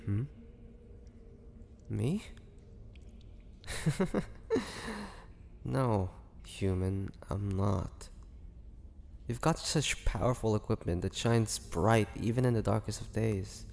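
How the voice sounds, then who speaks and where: A man playing a weary, brooding ancient vampire in a dramatic audio roleplay, speaking haltingly with a low, gravelly voice. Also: darkish tone. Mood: weary, taunting. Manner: slow, halting, brooding delivery with pauses. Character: weary, imprisoned ancient male vampire, groggy and menacing. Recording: long cavernous reverb, background noise.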